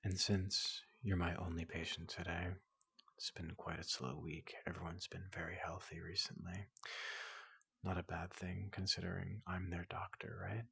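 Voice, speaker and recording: A man playing a big, gentle robot doctor in a soothing ASMR roleplay, speaking in a hushed, breathy half-whisper with a polite, reassuring manner. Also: deep voice, little pitch movement, full character voice. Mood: soothing, welcoming. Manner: slow, gentle, reassuring, repeats questions softly.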